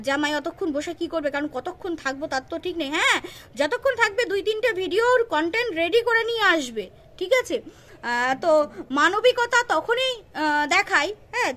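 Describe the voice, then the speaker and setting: A YouTube commentary creator with a very high-pitched, fairly bright voice delivers unscripted roast commentary. She is confrontational and scolding, repeating herself and firing off rhetorical questions.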